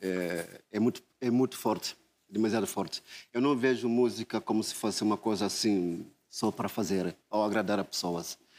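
A man with an unremarkable speaking voice, fairly low pitch, fairly even intonation and a moderate pace, in a very clean recording with a silent background. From Guinea-Bissau. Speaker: musician. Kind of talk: interview.

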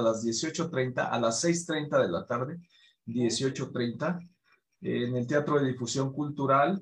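A man speaks in a fairly high, somewhat breathy voice with ordinary pitch variation. The background is quiet. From Mexico (Tlaxcala). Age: 40s. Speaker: author and poet. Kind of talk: interview with poetry reading.

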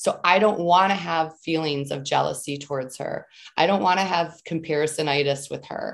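Intonation stays fairly even in this moderately paced speech with a Michigan accent. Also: woman, fairly low pitch for a woman. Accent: Michigan (Inland North) American. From Southeastern Michigan. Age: 40s. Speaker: real estate agent and business coach. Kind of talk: casual interview chat.

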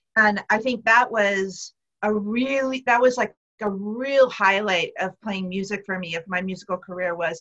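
In an American accent, a woman speaks in a plain, everyday voice. Her pitch is medium, with ordinary variation. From Southern California. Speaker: drummer in a surf band. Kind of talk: casual interview chat.

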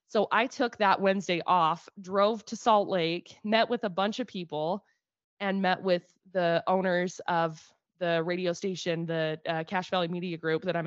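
A woman with a normal speaking voice talks at a fairly slow pace, her medium pitch holding a fairly even intonation. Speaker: radio host. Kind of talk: casual chat. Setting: video call.

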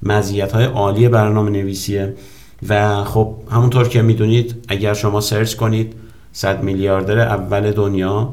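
A man with a fairly low pitch, monotone, flat intonation, a moderate pace and audible room echo. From Iran, Sarab (East Azerbaijan). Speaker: podcast host, software engineer. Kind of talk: personal monologue.

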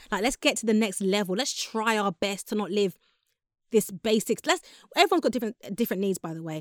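Lively in intonation, a woman speaks very fast at a fairly high pitch. The sound is dry and close, with no echo. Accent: London. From London, England (Ghanaian family). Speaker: podcast guest, friend of host. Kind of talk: casual chat. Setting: remote call.

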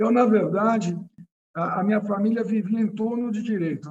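A man's high voice at a moderate pace with fairly even intonation. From São Paulo, Brazil. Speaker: lawyer and law professor. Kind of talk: interview.

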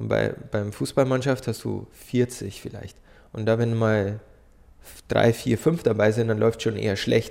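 Medium-pitched male speech, fairly slow and fairly even in intonation. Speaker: professional footballer, team captain. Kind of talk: podcast interview.

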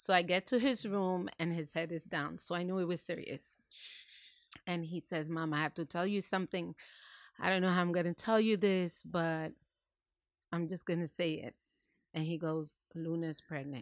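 Fairly low-pitched woman with an American accent, moderate pace, long and frequent pauses, fairly even intonation, very clean recording with a silent background. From New York City. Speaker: grandmother and lifestyle blogger. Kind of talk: casual interview. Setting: studio, sitting next to host.

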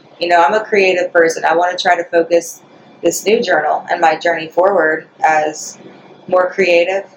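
Noticeable background noise sits behind a woman speaking with an American accent at a moderate pace. Her pitch is fairly low and her intonation monotone and flat. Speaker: grocery store manager. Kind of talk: casual interview chat. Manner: humorous, joking.

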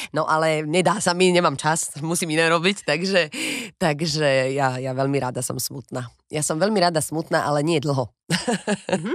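In an animated tone, a woman speaks at a moderate pace with a very deep, low pitch and ordinary pitch variation. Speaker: actress. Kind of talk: interview.

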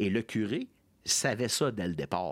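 Here a man speaks in an animated tone. Vocal fry runs through his voice. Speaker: brewery spokesperson and storyteller. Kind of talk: storytelling.

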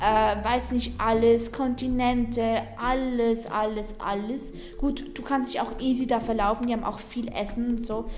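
A woman's fairly high, monotone, flat voice at a fairly slow pace, with audible room echo and noticeable background noise. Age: young. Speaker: podcaster. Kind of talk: casual chat.

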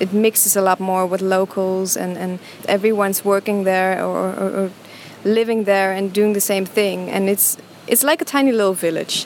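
A woman with a Dutch accent talks at a moderate pace and a medium pitch. Her intonation is fairly even, with noticeable background noise. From Netherlands. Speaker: translator. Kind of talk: casual chat.

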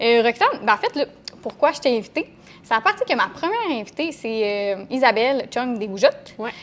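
Here is a woman with a plain, everyday voice. Her pitch sits fairly high. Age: 20s. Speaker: podcast host and artisan entrepreneur. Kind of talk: casual interview chat; scripted intro and outro. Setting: her workshop.

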